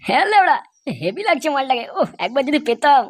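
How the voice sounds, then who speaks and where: A woman's voice: high voice, sing-song, fast. A woman voicing a cocky, lecherous, foul-mouthed male youth in a crude comedy cartoon, full of bragging. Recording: faintly noisy cartoon soundtrack.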